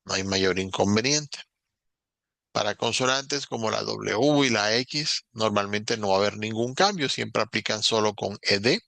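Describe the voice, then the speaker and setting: A man teaching a recorded lesson, explaining rules calmly in short phrases with pauses. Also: lowish voice, gravelly, no room sound. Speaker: English teacher.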